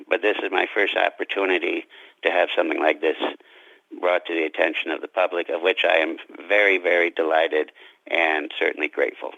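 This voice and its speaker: A man with a heavily creaky, low voice speaks as an interview guest. He is courteous and a little formal, often self-deprecating. The sound is dry and band-limited like radio, with music behind. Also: bright, forceful tone, dry recording, highs cut off. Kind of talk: conversational interview.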